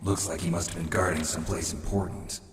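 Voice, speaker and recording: A man voicing a terse, cynical special-forces soldier in a video game, gruff, blunt and dry. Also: low-pitched, little pitch movement, fast, lightly acted. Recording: roomy, distant, loud music behind.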